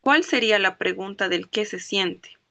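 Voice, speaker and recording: Woman language teacher, bright tone, patient step-by-step explaining. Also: mid-range voice, gravelly, no room sound. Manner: explains slowly, checks understanding with "¿ok?" and "¿no ve?". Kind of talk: classroom lecture.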